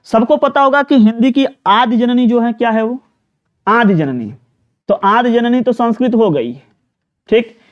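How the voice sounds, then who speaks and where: A man's voice: very high-pitched, expressive, a little slow, muffled recording. A man from teaches a live online exam-prep class. He talks students through each question, repeats words and keeps asking them for answers, with plenty of fillers. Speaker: Hindi teacher.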